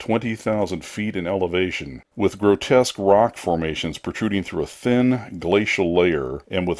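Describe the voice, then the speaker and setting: An unremarkable speaking voice from a man, pitched fairly low. His pace is moderate, with ordinary pitch variation. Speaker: audiobook narrator. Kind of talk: audiobook reading.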